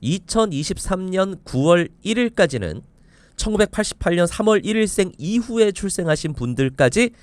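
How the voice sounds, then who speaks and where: A man, a financial expert guest on a radio show, explaining insurance in a clear, scripted way. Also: high-pitched, big pitch swings, moderate pace, no echo. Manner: explanatory, reads scripted points aloud. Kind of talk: radio advice talk. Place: radio studio.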